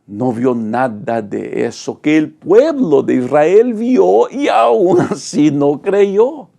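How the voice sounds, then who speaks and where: A man's voice: a little high, sing-song, takes it slowly, gravelly, dark tone. A middle-aged male pastor, teaching a Bible study lesson with dramatic, emphatic delivery and rhetorical lists.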